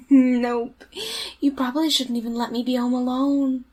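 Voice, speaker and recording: A woman's voice: high voice, flat delivery, unhurried, a little mellow. A woman playing a flippant, stubborn young woman in an audio drama, speaking casually.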